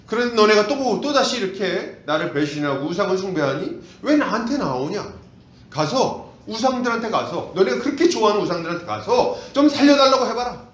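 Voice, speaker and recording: A pastor putting on a sarcastic, scolding voice for God, recorded in an echoey church hall. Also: male voice, high voice, sing-song, brisk, voice pushed up.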